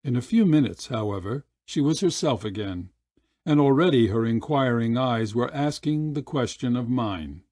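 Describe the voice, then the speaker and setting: A man narrating an audiobook short story in a measured, deliberate storytelling manner. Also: mid-range voice, animated, dark tone, no room sound, clean studio sound.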